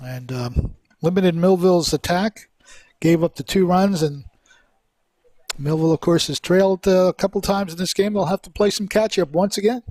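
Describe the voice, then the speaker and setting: A man with a notably high-pitched voice works as a play-by-play baseball commentator. He calls the action live in a conversational way, adding his own asides. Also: moderate pace, a little mellow, no room sound.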